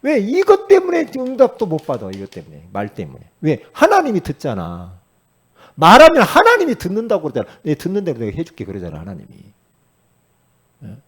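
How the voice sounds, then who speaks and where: A man preaching a sermon as pastor, talking in a conversational way with sudden loud emphatic rises. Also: high voice, wildly swooping pitch, a little fast, slightly rough.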